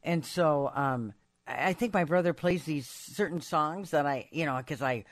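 A woman with a low, sultry voice, co-hosting a radio polka show in rambling, giggly chat. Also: normal speed, no room sound. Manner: rambling, giggly, self-deprecating. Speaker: radio co-host and polka singer.

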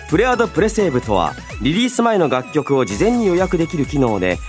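A man hosting a radio show in a chatty, playful yet polite way, moving between banter and announcements. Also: a little high. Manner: playful, polite, animated delivery. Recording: voice over background music. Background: background music.

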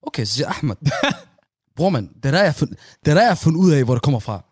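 Young male co-host, lively pitch, dry close sound, laughing storyteller. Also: dry recording. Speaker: podcast co-host. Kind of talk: casual chat.

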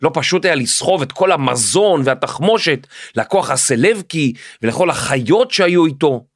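A man hosting a history podcast, telling the story in a lively, animated scripted narration. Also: on the high side, no echo, clean studio sound.

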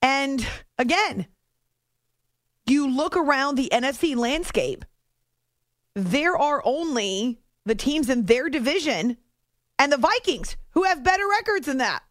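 Woman radio host, slightly high voice, dry close studio sound, chatty with asides. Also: expressive, unhurried, long pauses, dry recording. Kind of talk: late-night sports radio talk. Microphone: studio microphone.

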